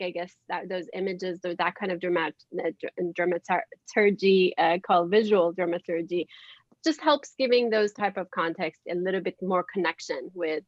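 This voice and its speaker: A woman panel guest explaining casually, halting as she searches for her words. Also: lowish voice, dry recording. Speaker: panel guest, dramaturgy collaborator. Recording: dry but dull call audio.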